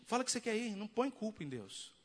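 A man with a Brazilian Portuguese accent preaching a sermon as pastor, telling the story in a lively way and acting out the quoted voices. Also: sits high, fast talker, in a large hall.

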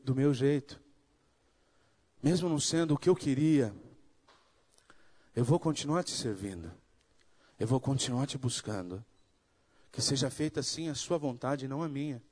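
A man's voice: medium pitch, normal speed, long pauses, breathy edge. A man from Brazil giving a sermon testimony, acting out the dialogue in his story and building to fervent preaching. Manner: animated storytelling, acts out dialogue.

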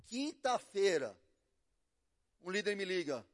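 Brazilian male pastor, middle-aged, higher voice, storytelling sermon that drops quiet then surges loud. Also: big pitch swings, slow pace. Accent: Brazilian Portuguese. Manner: storytelling, swings between hushed and loud. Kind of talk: sermon with acted quotes.

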